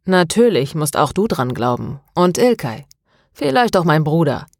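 A woman's voice: low voice, very animated, normal speed, darkish tone, dry recording, studio quality, full character voice. A woman voicing a deranged captive man who hisses venomous threats, in an audiobook. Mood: threatening. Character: menacing deranged man, tied up, taunting.

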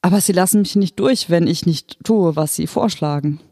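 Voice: mid-range voice, moderate pace, dark tone, dry recording, studio quality, close to an everyday voice. A reader voicing a desperate pregnant mother. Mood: distraught. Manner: pleading, pressed, voice shaking. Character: desperate pregnant mother pleading for her children. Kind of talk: audiobook character voice.

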